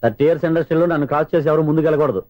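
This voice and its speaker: A man's voice: a little high, very fast, a little mellow, faint music behind, close to an everyday voice. An actor playing a boastful veteran film man who is proud of his long career, talking in a pompous way in a film comedy scene. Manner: pompous, keeps saying proceed.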